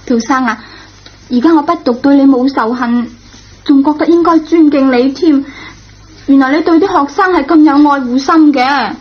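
A high-voiced schoolgirl acted by a woman, impulsive but good-hearted. She pleads earnestly in radio drama style. The sound is dull and lo-fi. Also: normal speed, close to an everyday voice. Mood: remorseful, earnest. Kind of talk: Cantonese radio drama acting. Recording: dull, lo-fi old radio recording.

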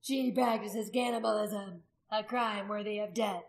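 A woman voicing a pompous male tribal orator in an audiobook, gravely declaiming charges. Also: mid-range voice, steady tone, unhurried, reverberant, close to an everyday voice. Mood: solemn, accusing. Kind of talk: dramatic audiobook character acting.

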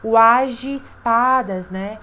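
A woman's voice: fairly high pitch, slow pace, bright, forceful tone. Emphatic woman reading tarot. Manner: emphatic, repetitive, with frequent "né?" and "sabe?". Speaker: tarot reader. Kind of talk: intuitive tarot card reading.

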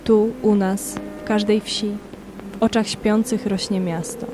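A woman reciting poetry for an audio drama in measured, solemn, short phrases, with music behind her. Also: mid-range voice, level tone.

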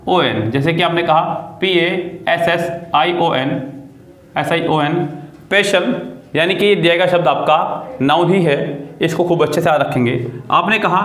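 A man's voice: a little high, fairly bright tone. Echoey male grammar teacher. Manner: spells words letter by letter and quizzes students with repeated questions. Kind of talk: classroom-style video lesson.

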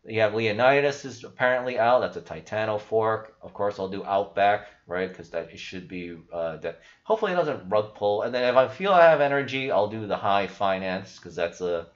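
A man's voice: lowish voice, animated, moderate pace, few pauses, muffled recording. A young man hosting a casual screen-share video, talking frankly and rambling with lots of fillers, recorded at his desk in a small room. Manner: rambling, frank, peppered with "like" and "you know". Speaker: crypto video host.

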